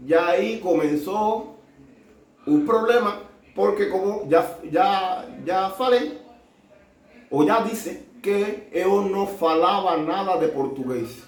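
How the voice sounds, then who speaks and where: A Cuban man tells his story in a high voice, stopping and restarting as he slides between Spanish and Portuguese. He sounds a little distant from the mic, in an echoey room. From Cuba. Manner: halting, mixing Spanish and Portuguese, many restarts. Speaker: doctor telling his story. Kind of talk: casual storytelling.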